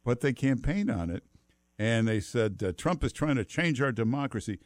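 A man's voice: medium pitch, lively intonation, normal speed, dry recording. An older man hosting a call-in radio show, blunt and sarcastic, leaning hard on his points. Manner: blunt, sarcastic, emphatic storyteller. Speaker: radio talk show host. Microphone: studio mic.

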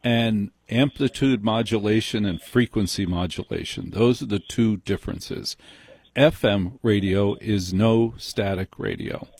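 Hosting a live call-in radio program, an American man speaks in a fairly low, husky, darkish voice, unhurried and courteous as he chats and explains. A close studio broadcast mic leaves no room sound.

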